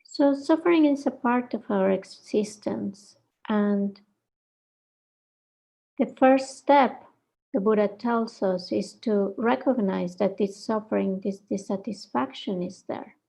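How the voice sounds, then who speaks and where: A woman leading a guided meditation, speaking gently in short phrases with reflective pauses between them. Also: mid-range voice, creaky, low-quality recording.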